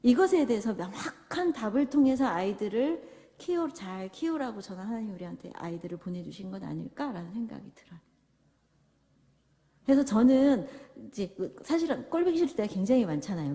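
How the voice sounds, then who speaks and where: In a large, echoing church hall, a woman with a medium-pitched, dark voice gives a parenting lecture. She questions the audience and acts out exchanges between parents and children.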